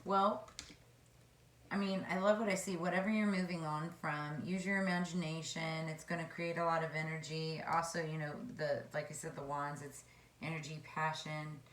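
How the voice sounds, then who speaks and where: A woman with a low, slightly hoarse voice reads tarot cards in a relaxed, wandering way, thinking aloud between cards. Her voice bounces around an echoey room with a faint hum behind it. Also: normal speed. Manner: chatty and meandering, musing aloud. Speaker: tarot reader. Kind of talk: casual tarot card reading.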